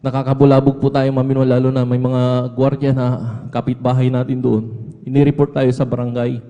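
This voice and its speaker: A man's voice: mid-range voice, monotone, brisk, mellow, dull audio. A man giving an earnest church testimony, constantly repeating a fond address to the congregation, from a church pulpit. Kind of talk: testimony at a prayer service. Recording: echoey hall with long reverb.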